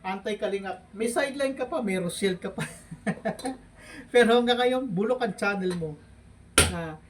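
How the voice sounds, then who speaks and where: A man from the Philippines ranting in a vlog, taunting a rival with laughs and drawn-out hums. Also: very high-pitched. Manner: mocking, provoking, with frequent laughs and drawn-out hums. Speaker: vlogger. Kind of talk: taunting livestream rant. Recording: distant mic with faint background noise.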